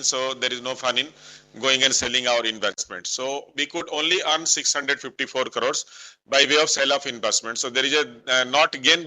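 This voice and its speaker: Bright, forceful Indian-accented male bank executive. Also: a little high, low-quality recording. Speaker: bank executive answering analysts' questions. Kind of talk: earnings call management commentary.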